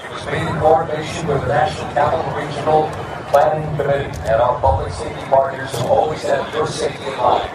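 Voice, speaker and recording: A man making a public safety announcement over a loudspeaker at an outdoor event, giving slow, measured instructions. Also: fairly high pitch, flat delivery. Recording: distant echoing loudspeaker with crowd noise. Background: crowd and traffic noise.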